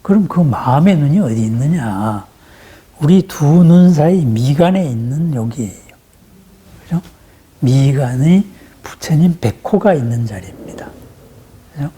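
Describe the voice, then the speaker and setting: Man, Buddhist teacher, sermon-style meditation instruction, warm and husky voice, conversational, rhetorical questions. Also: a little high, animated, unhurried, pauses often. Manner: explanatory, often checks in with the listeners with short questions.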